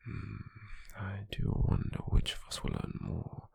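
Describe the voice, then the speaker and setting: A British man playing a possessive, calculating, smug slave merchant in a hushed ASMR roleplay, with a husky, breathy, gravelly voice and a slow, deliberate delivery. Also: lowish voice, heavily acted. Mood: curious, menacing. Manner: slow, deliberate, with lingering pauses.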